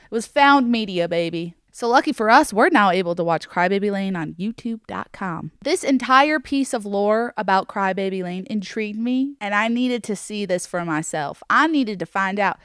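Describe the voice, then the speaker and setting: A woman's voice: medium pitch, lively intonation, moderate pace, few pauses, fairly bright tone, clear, resonant tone, no echo, studio quality. A woman hosting a video, telling a film's story casually with wry, dramatic emphasis. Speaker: video host. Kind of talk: casual film commentary and storytelling.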